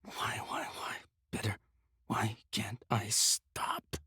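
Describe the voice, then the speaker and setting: Eerie, mournful mad mage: low, very slow, riddling and repetitive, for fantasy audio fiction. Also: male voice, little pitch movement, pushed and bright, slightly rough, dry recording, in a whisper, clean studio sound, heavily acted. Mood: anguished. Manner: broken, repetitive, riddling phrases. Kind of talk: dramatised audio fiction acting.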